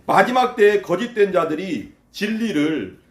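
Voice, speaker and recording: A man's voice: high voice, animated, a little slow. A male pastor delivering a conversational sermon, asking the congregation rhetorical questions. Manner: conversational preaching with rhetorical questions and acted quotes. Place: church sanctuary. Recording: echoey church hall.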